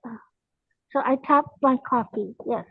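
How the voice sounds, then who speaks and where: A woman from Pakistan joining a video call, speaking haltingly with many fillers. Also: on the high side, creaky, slightly rough, no room sound. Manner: hesitant, many fillers and restarts. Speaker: participant. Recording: tinny phone-like line.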